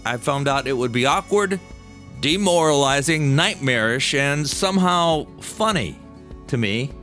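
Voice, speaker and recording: Higher-voiced American man telling stories over music. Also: a bit bright. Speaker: podcast host and storyteller. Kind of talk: first-person narrated storytelling. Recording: music playing behind the voice. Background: background music.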